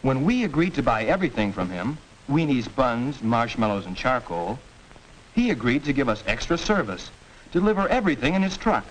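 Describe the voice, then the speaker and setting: A young man playing an earnest high school student explaining capitalism, in 1940s educational film acting, on a hissy old film soundtrack. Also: big pitch swings, normal speed, natural voice, poor audio.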